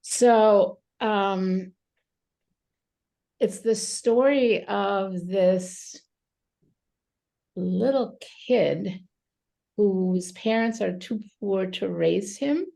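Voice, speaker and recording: Slow, gravelly-voiced woman. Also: mid-range voice, dark tone. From Romania. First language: Romanian. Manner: thoughtful, many fillers and pauses. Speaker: psychotherapist guest. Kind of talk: reflective interview answers. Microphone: video call.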